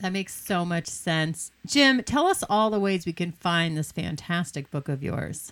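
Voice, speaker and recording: A woman with an American accent speaks in a normal speaking voice, fairly low in pitch, at a fairly slow pace with hardly any pauses. Her intonation is lively, and the recording is very clean with a silent background. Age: 50s. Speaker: podcast host. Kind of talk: casual interview.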